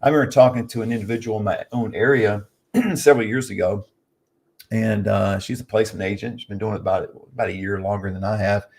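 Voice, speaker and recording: A man's voice: lowish voice, steady tone, quick pace, vocal fry, husky. A man coaching in an informal motivational business talk, conversational, repeating key points for emphasis and often checking in with short tag questions. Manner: conversational, emphatic repetition, frequent "right?" tags.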